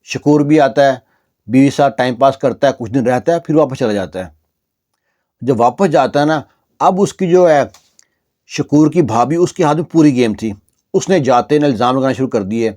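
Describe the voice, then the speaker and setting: A man's voice: medium pitch, lively intonation, warm tone. A man narrating a village story in a conversational way, with repeated fillers and restarts.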